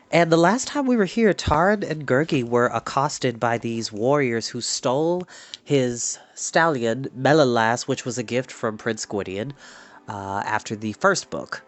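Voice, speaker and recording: A man with a mid-pitched voice hosts a storytime show in a chatty, personal style. His delivery is theatrical and exuberant. Ambient music plays behind him. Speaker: storytime host reading books aloud. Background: background ambience music.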